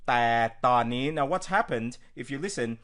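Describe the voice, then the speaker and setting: A man's voice: mid-range voice, animated, very fast, a bit bright. A man coaching on pronunciation, walking through a screen recording in an informal way with frequent ums and restarts. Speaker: language coach. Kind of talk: screen-recorded teaching walkthrough.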